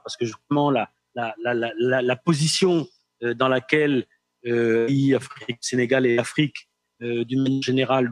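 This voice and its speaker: Halting male panel moderator, dry sound. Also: mid-range voice, no echo. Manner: hesitant, halting, repeats words.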